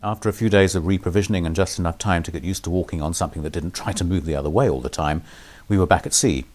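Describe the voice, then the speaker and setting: A man's voice: low voice, fast talker, darkish tone. A man reading polished scripted narration for documentary and promotional films. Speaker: voice-over artist.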